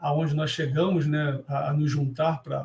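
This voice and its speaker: The man's voice is fairly high in pitch. He talks at a moderate pace. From Rio de Janeiro, Brazil. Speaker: engineer and consulting director. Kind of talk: podcast interview. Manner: casual, hesitant with many fillers.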